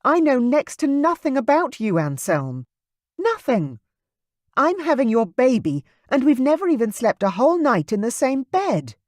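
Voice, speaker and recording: An audiobook reader voicing a pregnant young woman who is emotional and quick to anger, in a raised, intense voice. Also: sing-song, no room sound, studio quality. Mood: furious. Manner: high-pitched, intense, loud. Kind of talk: audiobook character voice.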